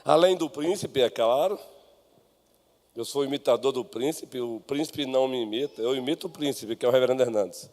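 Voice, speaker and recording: A man with a Brazilian Portuguese accent, a pastor preaching an expository sermon, moving from soft asides to shouted exclamations and leading his congregation in reading together. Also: mid-range voice, brisk. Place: church sanctuary. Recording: long reverb of a church hall.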